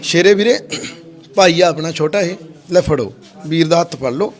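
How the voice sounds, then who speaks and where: A man volunteering with a social service group, talking gently and coaxing, with soothing phrases he says again and again. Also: fairly high pitch, normal speed. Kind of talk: on-location coaxing talk.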